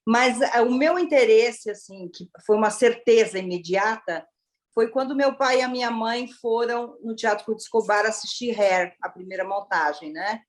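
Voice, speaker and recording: A woman actress born in Italy and raised in Brazil, chatting in an interview as a lively storyteller full of exclamations. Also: a little high, normal speed. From born in Turin, Italy, raised in Brazil. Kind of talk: casual interview chat.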